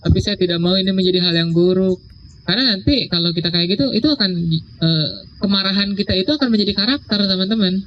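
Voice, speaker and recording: A young man giving a casual religious talk, slowing down to stress key words and checking in with "ya". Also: sits high. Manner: conversational, drawn-out emphasis, frequent "ya". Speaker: religious speaker. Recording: dull lo-fi sound with faint noise.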